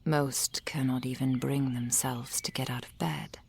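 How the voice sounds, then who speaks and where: A woman voicing a gentle female soul healer in an ASMR roleplay, whispering softly and soothingly into a close microphone. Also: a bass voice, little pitch movement, slight background noise. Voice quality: breathy whisper. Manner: soft whispering, slow and soothing. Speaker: ASMR performer.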